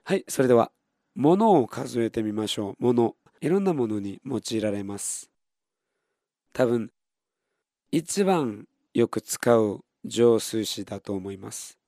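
A man's voice: medium pitch, animated, slow, warm tone, no room sound, clean studio sound. A man teaching beginner in Japanese, patiently repeating each word and modeling pronunciation for counting drills. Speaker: Korean language teacher.

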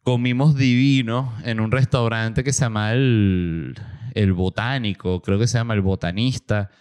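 A man hosting a podcast, telling a travel story in a casual, animated way and acting out the people he quotes. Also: unhurried, clear, resonant tone. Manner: animated, acts out quoted voices with big pitch jumps. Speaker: podcast host. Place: small home studio room.

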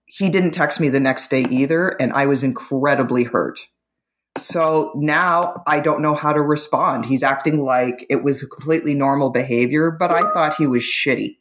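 A woman's voice: very deep voice, moderate pace. A woman caller giving a candid, conversational personal account to an advice show host.

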